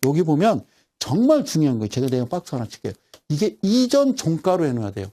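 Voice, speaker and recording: A man teaching stock charts in a recorded online lecture, his pitch swinging widely as he talks. He keeps repeating his points and asking viewers whether they follow. His voice has a mellow, darker tone. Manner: repetitive teaching, constant check-ins with viewers.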